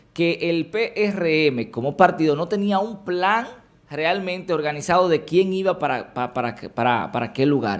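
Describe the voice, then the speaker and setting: A man with a Dominican accent talks at a fairly slow pace in a high pitch with lively intonation. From Dominican Republic. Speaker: political commentator. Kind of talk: panel discussion on news. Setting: studio. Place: studio. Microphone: studio mic.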